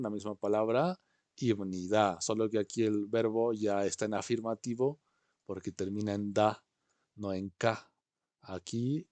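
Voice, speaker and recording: A man's voice: on the low side, a little mellow, no room sound. A man teaching an online class, patiently explaining and often checking in with his students. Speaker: language teacher. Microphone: video call.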